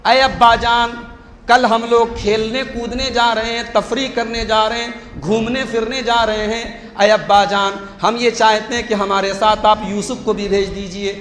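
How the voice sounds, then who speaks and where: Scheming young brothers coax their father in a wheedling, insistent plea, as a preacher puts them on, pitched up high. The voice rings through an echoey hall with a faint hum behind it. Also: steady tone, measured pace, a bit bright.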